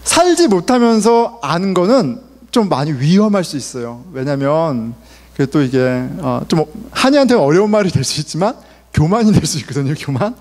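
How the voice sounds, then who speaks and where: A man's voice: fairly high pitch, sing-song, moderate pace, a little mellow, long reverb tail. A male pastor in his forties preaching a sermon in a conversational way, asking the congregation questions and telling family stories. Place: church sanctuary.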